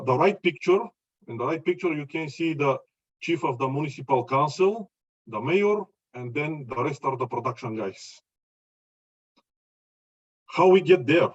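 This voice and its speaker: A man from Bulgaria with a Bulgarian accent gives a conference presentation in halting non-native English, often searching for words. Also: medium pitch. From Bulgaria, mining region near Chelopech. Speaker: mining company representative giving a presentation. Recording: slightly dull, lo-fi audio.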